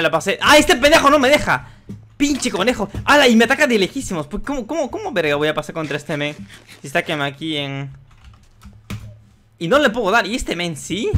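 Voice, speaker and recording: Young guy doing game commentary, bright punchy voice, cusses and yells at the screen. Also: on the high side. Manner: excitable, swears a lot, yells at the game. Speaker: gaming youtuber. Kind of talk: live gameplay commentary.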